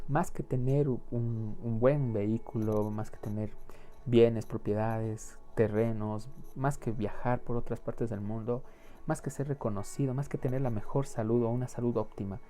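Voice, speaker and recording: A man's voice: mid-range voice, warm tone. A man preaching a sermon in an earnest, pleading way, often repeating words as he searches for them, then moving into prayer.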